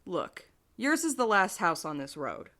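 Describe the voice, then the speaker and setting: A woman's voice: on the low side, big pitch swings, unhurried, fairly bright tone. A woman playing a wry, weary, sarcastic young courier in an audio drama. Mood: apologetic, wry.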